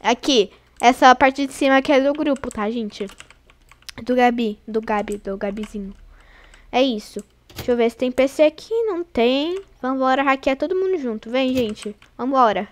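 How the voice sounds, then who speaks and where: A woman narrates her gameplay in a casual, chatty stream of commentary, always addressing her viewers. Her voice sits high, and keyboard typing is faintly audible behind her. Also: moderate pace. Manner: chatty, talks to viewers constantly, diminutives. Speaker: gaming channel host.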